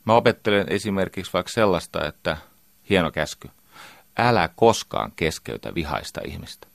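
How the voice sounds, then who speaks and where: Man, middle-aged, low voice, animated lecture, dry sound. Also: gravelly, no room sound. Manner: animated, emphatic, rhetorical questions. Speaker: communication trainer.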